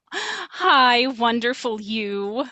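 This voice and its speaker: A woman's voice: on the high side, very animated, drawn-out words, sharp tone, heavily acted. A woman playing an aloof, coy 1960s Broadway star with an affected, languid manner in an audio drama. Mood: coy, breezy.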